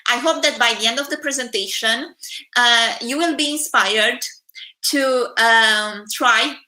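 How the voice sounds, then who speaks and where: Bright-voiced woman in her thirties, echoey. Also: on the high side. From Romania. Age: 30s. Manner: earnest, many filler pauses. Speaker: keynote speaker. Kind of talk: conference talk.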